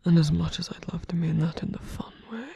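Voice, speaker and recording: A man playing a wounded villain in love, teasing and tender, murmuring haltingly in an intimate ASMR roleplay. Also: on the high side, vocal fry, mellow, breathy edge, dry recording, full character voice. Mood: weary, playful. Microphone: close mic, dry.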